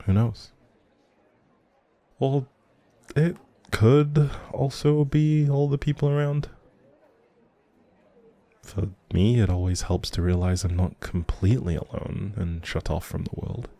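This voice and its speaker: A shy, socially anxious young man, acted by a male performer in an intimate audio roleplay. His voice sits very low and mellow, with plenty of gravelly fry. He rambles in a friendly, hesitant way, quick to apologize. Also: steady tone, no room sound. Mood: rambling, musing.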